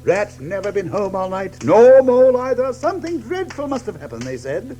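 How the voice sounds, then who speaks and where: A man's voice: high voice, big pitch swings, moderate pace, mellow, soft background music. An actor playing a brash, jaunty, confident male otter in a children's audio story, breezy and boastful.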